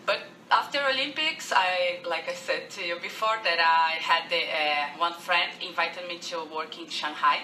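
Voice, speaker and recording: A young woman from Brazil with a Brazilian accent, speaking careful, halting English with many restarts as a guest on a radio interview. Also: lowish voice, pushed and bright, reverberant, far from the mic, a little hiss or hum, rough recording. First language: Portuguese. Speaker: guest, fencer.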